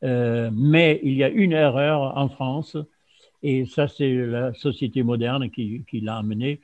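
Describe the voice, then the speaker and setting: A man from Germany whose first language is German speaks in a mid-range voice. He gives a loose, informal talk full of pauses, fillers and restarts. The recording is dull and lo-fi. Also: medium pitch, darkish tone. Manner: halting, many fillers and restarts. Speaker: speaker on fasting. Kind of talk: informal lecture to an audience. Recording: dull lo-fi sound.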